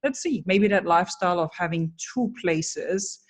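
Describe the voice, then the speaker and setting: A woman from Germany, a personal branding coach appearing as a guest, tells stories in an energetic, candid, emphatic way while answering interview questions. She speaks at a normal speed in a lowish voice.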